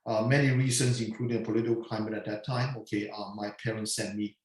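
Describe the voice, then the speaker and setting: A man in his forties who grew up in Hong Kong, telling his story as an interview guest in a halting way, with many "okay" and "um" fillers. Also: fairly low pitch, little pitch movement, a little mellow. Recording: very echoey room.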